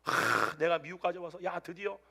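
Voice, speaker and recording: A male pastor delivers a Sunday sermon in a high, bright voice. His pitch leaps and dips constantly as he tells his story, jumping from loud bursts to hushed asides. He preaches to a congregation that answers him. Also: normal speed, creaky, husky. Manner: animated storytelling, swinging between loud outbursts and hushed asides. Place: church service with a congregation answering amen.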